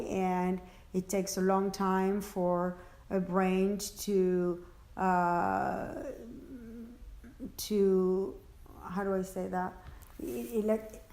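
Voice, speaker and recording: A woman answering interview questions about her work as an interpreter, halting and searching for words, often restarting. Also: mid-range voice, a little mellow. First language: French. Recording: echoey room.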